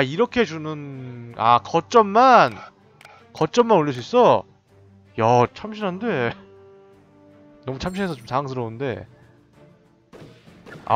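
A man giving excited, running commentary while playing a tower defense game, often laughing and reacting out loud. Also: a little high. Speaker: game streamer. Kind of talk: live gameplay commentary.

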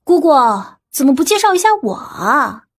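A woman's voice: high voice, very animated, normal speed. A woman voicing a spoiled, complaining city woman of about thirty in an audiobook, petulant and questioning.

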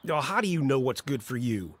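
An actor playing an earnest Christian friend, urging and exhorting in a radio drama. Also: male voice, mid-range voice, sing-song, brisk, slightly rough.

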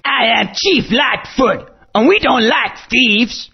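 A woman voicing a blustering, gruff tribal chief who speaks in broken sentences with a raspy, creaky voice. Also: a little high, takes it slowly, a little hiss or hum. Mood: accusing. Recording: muffled lo-fi game audio.

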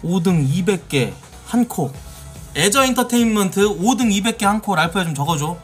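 A man streaming a game live, talking casually and yelling and swearing at it. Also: high-pitched, normal speed, faint music behind. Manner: excitable, swears and yells at the game.

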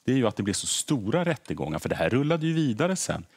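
A man's voice: medium pitch, very animated, a little mellow, husky. A middle-aged man, a history podcaster, explaining earnestly in a TV studio interview and often repeating words as he thinks. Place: TV morning show studio.

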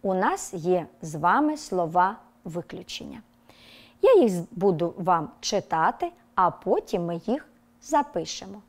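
A woman teaching a televised lesson to young children, telling a little story and dictating words slowly and clearly. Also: mid-range voice. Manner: lively storytelling tone. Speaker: primary school teacher. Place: TV studio.

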